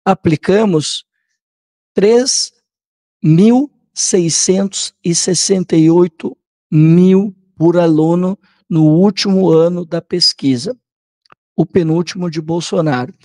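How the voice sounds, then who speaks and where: A Brazilian man hosting political commentary, reading aloud and commenting in a halting, conversational way that often seeks the listener's agreement. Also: sits high, warm tone. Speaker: host of a political commentary channel.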